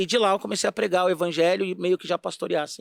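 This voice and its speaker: A man's high-pitched, fairly quick speech, dry and close with no echo, in a very clean recording with a silent background. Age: 30s. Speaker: pastor. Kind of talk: casual chat.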